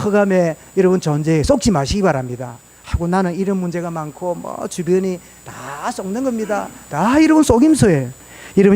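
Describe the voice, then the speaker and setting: A man's voice: sits high, dark tone. A male pastor preaching a sermon in church, firing rhetorical questions at the congregation. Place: church sanctuary.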